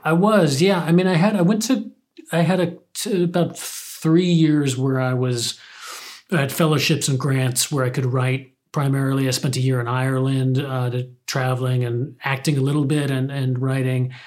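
A man's voice: medium pitch, flat delivery, moderate pace, darkish tone. A man guest, a playwright and poet, speaking thoughtfully in a casual interview, with frequent hesitations and restarts.

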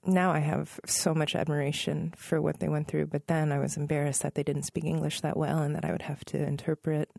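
A woman in her thirties talks through her memories in a studio interview. Her voice sits low, with a gravelly fry and a mellow tone, and the sound is close and dry. She often stops to rephrase and laughs softly now and then. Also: flat delivery, brisk, hardly any pauses, no room sound. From Northern Virginia, USA. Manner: thoughtful, self-correcting, laughs softly. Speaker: musician guest. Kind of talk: relaxed interview conversation.

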